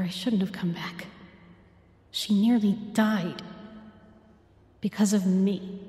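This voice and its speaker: Woman acting breathy, guilt-ridden, protective girlfriend. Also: medium pitch, mellow, dry recording. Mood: anguished guilt. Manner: halting, emotional, pleading. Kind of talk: intimate audio roleplay acting, spoken to the listener.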